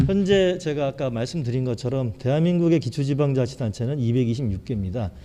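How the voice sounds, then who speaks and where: Intonation is lively as the man races along at a very fast rate. The tone of his voice is dark and mellow. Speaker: education policy official. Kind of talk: forum presentation.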